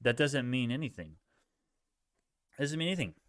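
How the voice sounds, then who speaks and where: A man's voice: medium pitch, very animated, moderate pace, fairly bright tone, no room sound, clean studio sound. A young man hosting a casual live stock-trading stream, reacting to chat in informal bro slang and often repeating himself as he thinks aloud. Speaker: livestream host, retail stock trader.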